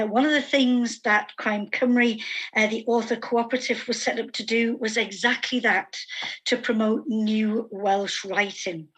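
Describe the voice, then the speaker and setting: A woman chairs a festival panel over a video call. Her voice sits a little high, and she talks in a halting way with many fillers. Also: fairly bright tone, poor audio. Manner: hesitant, many fillers and restarts. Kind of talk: hosting an online event.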